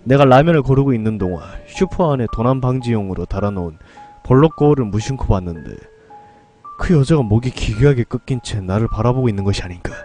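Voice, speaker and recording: A man tells a first-person horror story in a scripted, dramatic way. His voice is mid-pitched but swings widely in tone. Faint music plays softly behind him. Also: lively intonation, fast.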